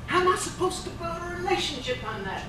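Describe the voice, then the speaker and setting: A man's voice: very high voice, big pitch swings, fast talker, sharp tone, full character voice. Man playing a campy gay werewolf, very echoey. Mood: self-pitying, sassy. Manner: campy, sassy quips and pet names. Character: flamboyant, sassy, self-pitying gay male werewolf. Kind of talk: staged reading of a comedy play. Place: indoor stage, recorded from the audience by far camera. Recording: distant, echoey theater, noisy background.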